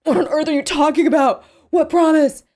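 A woman puts on a young man held captive in a thriller novel, pitched high and loud with panic. He exclaims in disbelief and pleads urgently. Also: sing-song, fairly quick, slightly rough. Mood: pleading.

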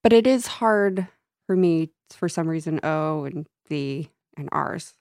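Lower-voiced woman with a slight Midwestern accent. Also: animated, a little slow, a little mellow, dry recording, studio quality. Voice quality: faint whistling from braces. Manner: chatty, laughs often, plays with word sounds. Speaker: podcast co-host. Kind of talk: casual chat. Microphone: studio microphone.

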